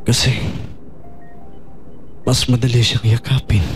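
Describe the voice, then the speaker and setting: A troubled man speaks in broken, brooding phrases, haunted by memories and guilt a man acting in an audio drama. His voice sits at a middle pitch, with faint music underneath. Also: little pitch movement, takes it slowly, natural voice. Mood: guilty, confessing.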